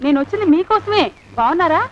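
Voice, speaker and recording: A woman's voice: extremely high pitch, expressive, fast talker, a little hiss or hum. An actress playing a doting woman who insists that she is a man's wife from a past life, on a dull old film soundtrack. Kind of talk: comic film acting.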